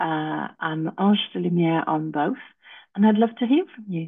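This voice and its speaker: An ordinary speaking voice moves at a moderate pace. Its pitch varies in an ordinary way. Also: woman. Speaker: host promoting quiz and explaining intuition. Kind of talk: podcast segment, explanatory.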